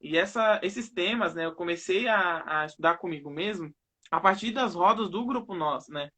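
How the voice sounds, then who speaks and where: A young Northeastern Brazilian man on a video call, his voice sitting a bit high for a man. He keeps his regional accent and ends almost every phrase with a tag question. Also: normal speed, sharp tone. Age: young adult. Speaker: guest. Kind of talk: personal testimony in a live interview.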